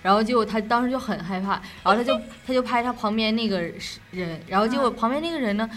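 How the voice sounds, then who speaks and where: A woman's voice: on the high side, quick pace, fairly bright tone. A young woman with a Northeastern Chinese accent co-hosts a late-night show, telling ghost stories in a casual, rambling, repetitive way. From Northeast China.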